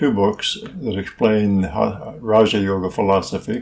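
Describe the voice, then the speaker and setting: Intonation stays fairly even in this voice with a Midwestern US accent. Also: man. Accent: General American, Midwestern. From US Midwest, Ohio. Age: 80s+. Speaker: meditation teacher. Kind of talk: interview. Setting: meditation center.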